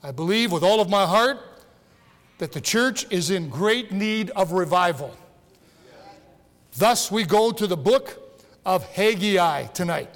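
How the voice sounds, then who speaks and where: A high-voiced older man preaching in a church, his words trailing off in a long hall reverb. He is a pastor in his sixties, folksy and joking, often stumbling and restarting his sentences. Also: expressive, a little slow, pauses often, fairly bright tone. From Michigan. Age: 60s. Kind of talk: sermon. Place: church sanctuary.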